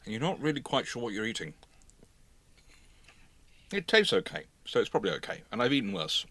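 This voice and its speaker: A man's voice: mid-range voice, very animated, brisk, a bit bright, no room sound. A man hosting a live history Q&A in casual, chatty style, with a teasing manner. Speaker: host of a live naval history Q&A stream. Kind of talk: casual live chat, answering viewer questions.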